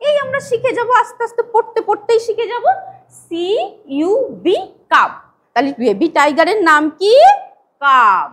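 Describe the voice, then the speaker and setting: উঁচু সুরে ওঠানামা করা গলার এক শিক্ষিকা. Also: female voice, high-pitched, a bit bright. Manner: singsong, coaxing, spells words letter by letter. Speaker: teacher giving a demo class. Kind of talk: demo lesson to young children.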